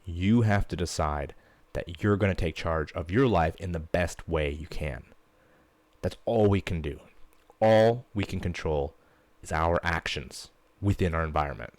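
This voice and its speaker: Male fitness coach hosting a solo podcast: low voice, dry close mic, blunt and passionate. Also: unhurried, dry recording. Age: young adult to middle-aged parent. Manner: blunt and fired-up, swears casually. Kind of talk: casual solo podcast monologue.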